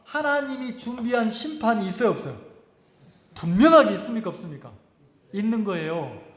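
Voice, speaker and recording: A man preaching in a church, his voice sitting high as he fires question after question at the pews and stretches key words out slowly. Long reverb from the hall rings behind every phrase. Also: big pitch swings. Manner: asks the congregation many questions, stretches words out for emphasis. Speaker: pastor. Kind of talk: sermon. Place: church sanctuary.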